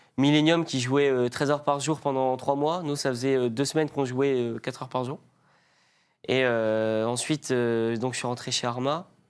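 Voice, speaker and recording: A man with a plain, everyday voice speaks at a medium pitch and a fairly slow pace, with fairly even intonation. The recording is very clean, with a silent background. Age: 20s. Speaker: pro gamer. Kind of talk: interview.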